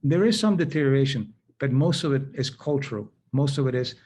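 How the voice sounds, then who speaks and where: A man's voice: medium pitch, lively intonation, brisk, a little mellow, husky. A man hosting a conversational interview, telling anecdotes and acting out quoted dialogue. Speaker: host.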